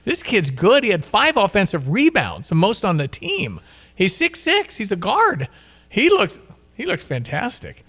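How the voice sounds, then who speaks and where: A man hosting a casual sports radio chat, chatty and quick to laugh, often restarting his sentences. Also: high voice, wildly swooping pitch, a bit bright, husky. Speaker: radio show host.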